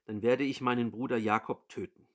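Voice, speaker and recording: A man's voice: medium pitch, steady tone, brisk, a bit bright, natural voice. A man voicing a bitter grown son, a hunter, who pleads earnestly with his father. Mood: pleading.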